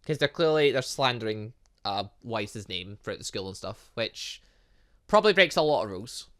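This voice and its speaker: A man giving let's play commentary on a game, reading text aloud with rambling asides as he thinks out loud. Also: lowish voice, animated, normal speed. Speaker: gaming channel host.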